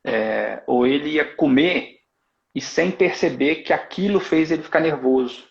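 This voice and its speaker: Give me a Brazilian man with a gravelly voice, reflective and casual, over a muffled live-stream line. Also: fairly high pitch, a little slow. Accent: Brazilian Portuguese. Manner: reflective storytelling, many tag questions. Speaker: host. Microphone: video call. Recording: dull lo-fi live-stream audio.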